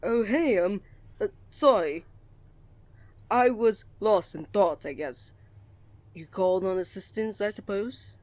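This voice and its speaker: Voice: medium pitch, takes it slowly, long pauses, darkish tone, no room sound, close to an everyday voice. A voice actor playing a shy, flustered male college student in love, stammering, earnest and courteous, in a romantic ASMR roleplay. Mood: apologetic, helpful. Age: young adult.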